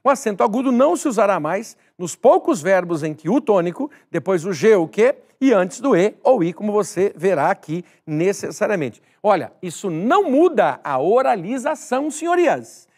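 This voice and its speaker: A man's voice: sits high, big pitch swings, moderate pace, few pauses, darkish tone, slightly rough. A man teaching a recorded exam-prep grammar lesson, emphatic, repeating key words and speaking straight to the viewer.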